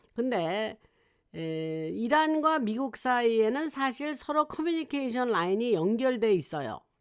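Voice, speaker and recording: This recording is very clean, and the background is silent. The speaker keeps a moderate pace. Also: woman. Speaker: YouTube commentator on US politics. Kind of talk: solo monologue. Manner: hesitant, many fillers.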